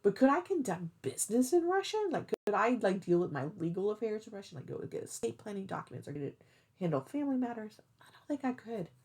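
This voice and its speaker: A woman's voice: mid-range voice, very animated, fast talker, a little mellow, husky. A woman hosting a craft vlog, chatting casually in a rambling way and thinking aloud as she goes. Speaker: cross-stitch vlog host. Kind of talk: casual rambling chat to camera.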